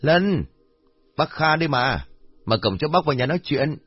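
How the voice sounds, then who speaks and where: A man voicing a calm, patient older village elder who reasons with others, in a storybook reading. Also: sits low, brisk, husky, no room sound, muffled recording, exaggerated voice. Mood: calling. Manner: patient, mildly puzzled, persuasive.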